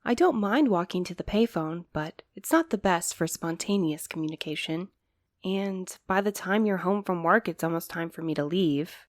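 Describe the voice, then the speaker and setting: A woman's voice: on the low side, animated, moderate pace, dry recording, studio quality, close to an everyday voice. A woman playing a wry, put-upon mail courier in an audio drama, conversational and a little sardonic. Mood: affectionate, chatty.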